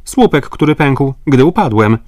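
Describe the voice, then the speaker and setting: A man voicing an excitable, absent-minded French geographer in an audiobook, talking in flustered exclamations. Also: mid-range voice, moderate pace, no room sound, clean studio sound, voice pushed up, natural voice. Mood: indignant.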